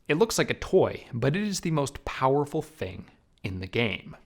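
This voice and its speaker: A man narrating a scripted film review in an emphatic, wry way with casual asides. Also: medium pitch. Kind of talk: scripted video essay narration.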